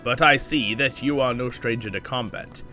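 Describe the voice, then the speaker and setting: A man's voice: medium pitch, moderate pace, sharp tone, soft background music, lightly acted. A man voicing a stern, welcoming male camp leader, reading quest text aloud. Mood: solemn.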